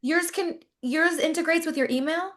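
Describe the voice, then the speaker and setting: A woman hosting a casual podcast interview, reacting quickly and eagerly to what her guest says. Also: very high-pitched. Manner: excitable, quick to react with surprise. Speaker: podcast host.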